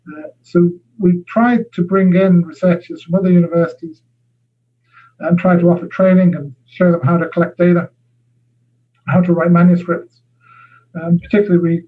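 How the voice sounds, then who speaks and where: A man giving an online seminar talk as a guest speaker, measured and full of uh fillers, heard over a video call. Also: sits high. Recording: tinny phone-like audio.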